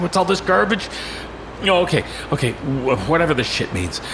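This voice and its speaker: A man's fairly quick speech with lively intonation over noticeable background noise. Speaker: frantic framing character introducing the audio files. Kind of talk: scripted comedic-paranoid framing monologue.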